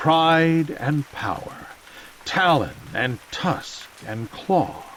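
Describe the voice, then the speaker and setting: A man's lively intonation at a very slow pace, with noticeable background noise. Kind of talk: audiobook reading.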